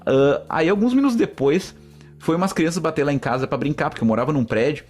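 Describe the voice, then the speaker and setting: A man's voice: a little high, expressive, quick pace, a little mellow, soft background music. A man from Brazil, hosting a solo podcast and telling stories in a chatty, rambling way straight to his listeners. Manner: rambling, chatty, often addresses listeners as "gente". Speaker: podcast host. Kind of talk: casual solo podcast storytelling.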